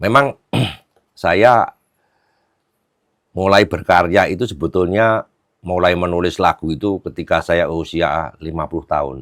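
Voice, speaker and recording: Very deep and low in pitch with vocal fry, a man talks at a fairly slow pace, the sound dry and close with no echo on a very clean recording with a silent background. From Central Java, Indonesia (Klaten). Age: 70s. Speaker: businessman and religious music composer. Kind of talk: interview.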